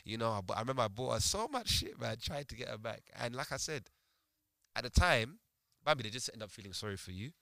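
A man's voice: mid-range voice, sing-song, quick pace, creaky, pushed and bright, no echo. A young man, telling stories in casual, slangy street talk full of banter. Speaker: podcast participant. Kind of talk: animated casual banter and storytelling.

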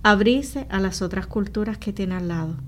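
A woman's voice: medium pitch, moderate pace, slight background noise. A woman from Rico, talking earnestly and explaining things as a missionary guest in an interview. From Puerto Rico. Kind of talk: conversational interview testimony.

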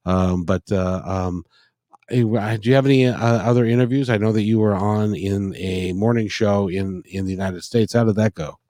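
A man's voice: fairly low pitch, steady tone, normal speed, mellow, no echo, clean studio sound. A middle-aged man hosting a casual music interview, effusive and rambling, often repeating his phrases. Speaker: interview host.

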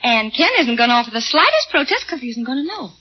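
A wheedling young wife in an old radio play. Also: female voice, fairly high pitch, very animated, fast talker, husky. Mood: confiding. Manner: wheedling, dramatic, swings to hushed. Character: scheming excitable young wife Helen. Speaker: radio drama actress. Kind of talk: 1940s radio acting. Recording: dull old radio recording.

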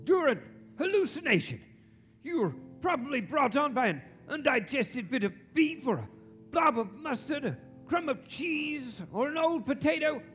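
A man's voice: very high voice, very animated, normal speed, a bit bright, heavily acted. A man playing a grumpy, miserly old businessman in a stage radio play, curt, scolding and theatrical. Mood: dismissive, defiant. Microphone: shared stage microphone. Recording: live stage recording with music.

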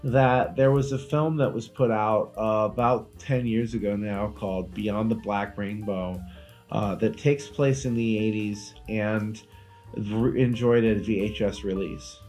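A man co-hosting a comedy podcast, trading deadpan jokes and telling rambling stories in casual chat. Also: fairly low pitch, measured pace, faint music behind. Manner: deadpan joking, rambling storytelling. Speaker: podcast co-host.

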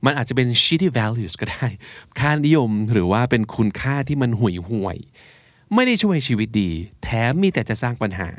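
A man's voice: medium pitch, very animated, moderate pace, dry recording, studio quality. Man co-hosting a vocabulary podcast. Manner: explains words in Thai, mixing in English terms. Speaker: podcast co-host teaching English vocabulary. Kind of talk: casual explanatory chat.

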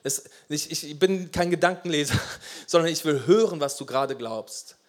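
A preacher voicing a calm, patient male teacher who gently invites someone to speak. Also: a little high, moderate pace, close to an everyday voice. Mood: gentle.

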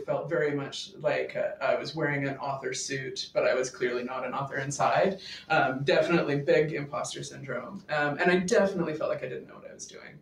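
A man with a Canadian accent, an author being interviewed in a small office, easygoing, laughing often, with many uhs. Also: fairly high pitch. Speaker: author and guest. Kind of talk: interview answers. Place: small office before a live audience. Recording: roomy, distant mic, faint noise.

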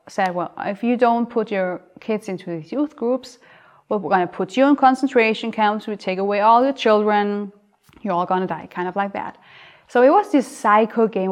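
A young woman from Austria with an Austrian German accent, hosting a casual talk show in a chatty way, often correcting herself and restarting sentences. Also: mid-range voice. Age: young adult. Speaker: host.

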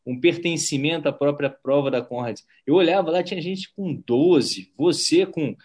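A man from Brazil hosting a casual interview, talking in an animated, chatty way. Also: fairly high pitch, moderate pace. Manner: animated, chatty, frequent "né?" and slang.

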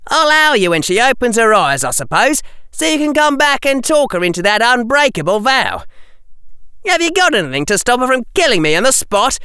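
A man voicing a sharp-tongued, sardonic mercenary healer witch in an audiobook reading. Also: extremely high pitch, very animated, brisk, clean tone, no echo, clean studio sound, pitched above the performer's own voice, heavily acted. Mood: sharp, brusque. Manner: brusque and sardonic.

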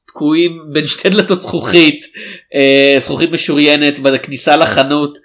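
Animated man chatting about films. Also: on the high side. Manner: animated, rambling with restarts and "you know". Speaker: podcast co-host. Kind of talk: casual film review chat.

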